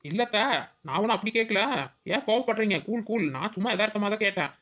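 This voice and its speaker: A woman's voice: medium pitch, quick pace, lo-fi sound, close to an everyday voice. A woman voicing a cheeky young daughter-in-law in a cartoon, who whines and talks back. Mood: whining. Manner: whiny and cheeky. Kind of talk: cartoon voice acting.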